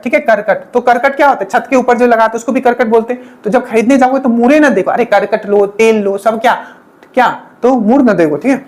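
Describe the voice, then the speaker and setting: A woman's voice: a little high, a little mellow. A woman teaching an exam-prep lesson, repeating each memory trick and checking in with the class again and again. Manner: repetitive drilling, frequent checking-in asides.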